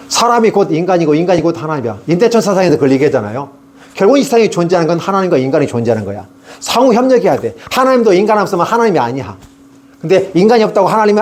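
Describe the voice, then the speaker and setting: A man's voice: high-pitched, a little mellow. A middle-aged male pastor preaching an evening revival sermon, asking rhetorical questions and acting out people's prayers.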